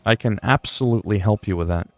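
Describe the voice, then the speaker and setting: A man in his forties talks casually through a livestream with a lowish voice, rambling from one thought to the next. He reads viewers' messages aloud and answers them as they come in, with faint music playing behind him. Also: fast talker, darkish tone, no room sound. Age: 40s.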